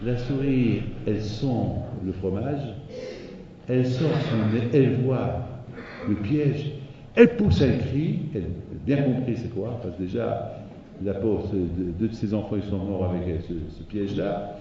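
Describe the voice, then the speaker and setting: A man preaches a sermon, telling a fable in a lively storyteller's manner. His mid-pitched voice sounds far from the mic and rings through a large hall with long reverb. The sound is dull and muffled, with a faint background hiss. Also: unhurried. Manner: lively storyteller who acts out the animals. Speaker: rabbi.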